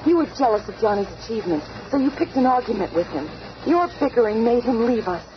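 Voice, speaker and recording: An actress playing an earnest, protective young superheroine in 1970s radio drama, speaking emphatically on an old, noisy recording. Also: female voice, fairly high pitch, expressive, fast, muffled recording, lightly acted. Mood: indignant.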